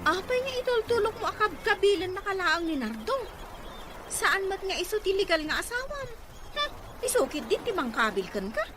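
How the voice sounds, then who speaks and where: An actress as high, animated, earnest Ilocano village woman. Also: normal speed, over music. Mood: exasperated. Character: younger sister, scolding yet caring village woman. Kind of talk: Ilocano radio-style drama acting. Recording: clearly noisy ambient background.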